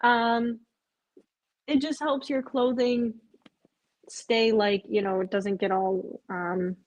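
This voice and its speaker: A woman's voice: on the high side, little pitch movement, slow pace, darkish tone, low-quality recording. A woman hosting a live stream, chatting casually with viewers, sounding tired and rambling. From Chicago area. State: drowsy, yawning.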